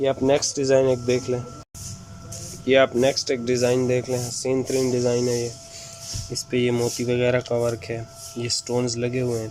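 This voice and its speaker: A man with an unwell, sore-throated voice gives a casual online sales pitch item by item, repeating his catchphrases to viewers. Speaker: shop presenter selling women's suits. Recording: clear background noise, room ambience.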